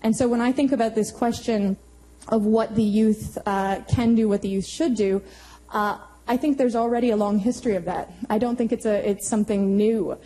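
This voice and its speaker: Mellow-voiced woman professor on a panel. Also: medium pitch, moderate pace, low-quality recording. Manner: thoughtful, searching for words. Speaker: history professor, panel speaker. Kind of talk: prepared panel remarks to a university audience.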